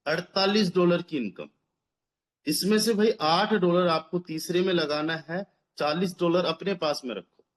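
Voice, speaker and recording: A man in his thirties talks as a team leader pitching a business, his voice sitting a little higher than most men's. He is persuasive and keeps repeating phrases to drive a point home, sprinkling English words through his talk. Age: 30s. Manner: mixes English words into Hindi. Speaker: network marketing team leader.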